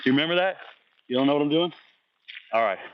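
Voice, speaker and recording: A man behind a high school football recruiting vlog trades blunt, slangy trash talk while casually answering viewer comments after a workout. He talks fast in a slightly high, narrow voice, and the audio is tinny.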